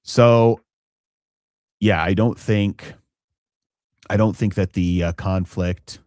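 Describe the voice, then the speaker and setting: A man with a very deep voice hosts a live finance stream, thinking aloud with frequent fillers and restarts. The sound is dry and close, with no room around it. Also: fairly even intonation, a little mellow, dry recording. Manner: halting, many fillers and restarts. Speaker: finance channel host. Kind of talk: live-stream market commentary.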